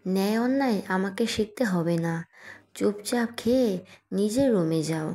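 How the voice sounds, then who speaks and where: A woman's voice: medium pitch, lively intonation, normal speed, mellow, lightly acted. A woman voicing a strict middle-aged mother who talks in a stern, commanding way, in an audio story reading.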